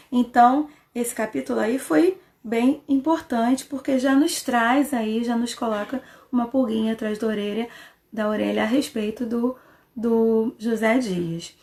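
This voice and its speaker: A woman's voice: on the high side, vocal fry, darkish tone. A woman with a Brazilian Portuguese accent, a Portuguese teacher talking casually to her viewers during a live reading lesson, patient and chatty, checking in often. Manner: patient explainer who pauses and restarts.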